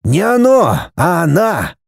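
A man voicing a calm, sorrowful old man with a grey beard who speaks in slow, measured, prophetic phrases. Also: a little high, gravelly, no echo, studio quality, voice pushed up, exaggerated voice. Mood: insistent.

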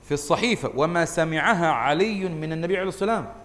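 A man's voice: fairly high pitch, rapid-fire, a bit bright. A man with an Egyptian accent teaching a religious lesson, constantly quizzing his listeners with rhetorical questions. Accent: Egyptian Arabic. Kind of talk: lecture on hadith scholarship. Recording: echoey hall, faint background noise.

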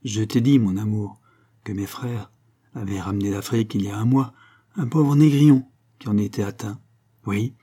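A man voicing a scheming young gypsy woman in a novel reading, speaking in a low, hushed, mocking way. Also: normal speed, natural voice.

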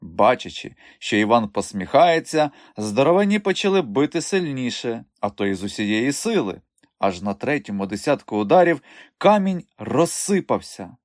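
A man narrates an audiobook from a script, telling the story expressively at a normal speed in a medium-pitched voice. The sound is studio quality with no room sound.

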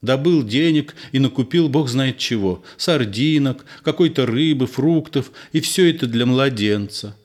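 A man's voice: medium pitch, lively intonation, a little slow, hardly any pauses, voice pushed up, natural voice. A man voicing an eager young woman. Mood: earnest. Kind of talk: audiobook play reading.

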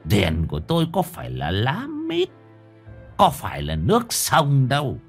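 A man's voice: mid-range voice, huge pitch swings, moderate pace, gravelly, breathy edge, faint music behind, heavily acted. A man voicing a sly, bullying village chief who barks and sneers. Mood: sly wheedling. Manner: barking, sneering.

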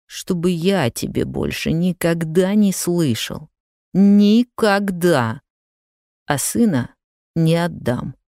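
A grim father figure with cold, menacing threats delivered in a slow, low hiss, as a woman reads him aloud. The pace is unhurried and the sound is close and dry. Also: expressive, dark tone, no echo. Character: angry middle-aged father, cold and menacing.

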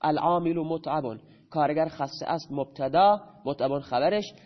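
A man teaches grammar in a lecture, with a voice on the high side. He asks the class a question and answers it himself. The recording sounds a little dull and muffled.

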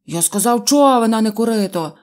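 A woman's voice: fairly high pitch, lively intonation, fairly quick, darkish tone, close to an everyday voice. A woman voicing a contrary little boy who scoffs at everything, in a storybook reading. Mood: sneering. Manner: scornful, dismissive.

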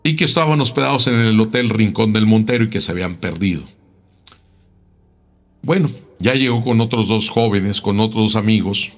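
A man telling a local tale in a casual, unhurried way, often repeating words as he goes. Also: on the low side. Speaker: storyteller.

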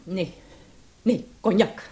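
A woman's voice: mid-range voice, slow, mellow, slightly rough. An actress playing a shaken, suspicious female police commissioner in a Dutch radio play. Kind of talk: Dutch radio drama acting.

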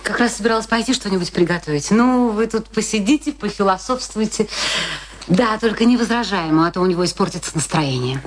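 A female actor plays an older hostess and long-suffering wife in a radio play. She is brisk and wry, teasing in a dry way at a medium pitch. Slight noise and ambience sit behind the voice. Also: lively intonation, close to an everyday voice.

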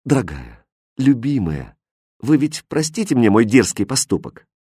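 A man's voice: medium pitch, big pitch swings, unhurried, mellow, husky, dry recording, clean studio sound. A man voicing a passionate young king in an audiobook fairy tale, with earnest, impassioned delivery. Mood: ardent.

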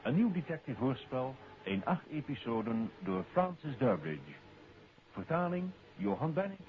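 A man's voice: medium pitch, big pitch swings, moderate pace. A man with a Netherlands Dutch accent making a formal, scripted announcement as a 1950s radio announcer. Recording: muffled old radio recording.

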